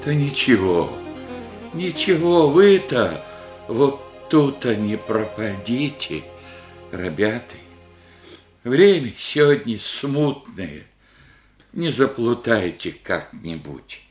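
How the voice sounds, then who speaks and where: An actor playing a gentle, resigned old father in a radio play, with a soft, consoling way of talking. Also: medium pitch, sing-song, slow. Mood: gently warning. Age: older. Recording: roomy, with music behind.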